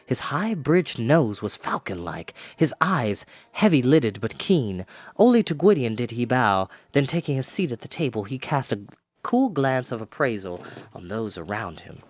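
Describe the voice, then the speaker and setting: Expressive male storyteller, lively pitch. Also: moderate pace, no echo.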